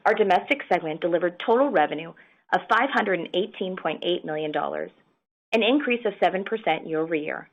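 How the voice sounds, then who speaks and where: An American woman reading scripted financial results in a formal, measured way as a corporate executive on a conference call. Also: lowish voice. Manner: formal, measured business delivery. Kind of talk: scripted earnings call presentation. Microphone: conference call line. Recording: dull, band-limited conference call audio.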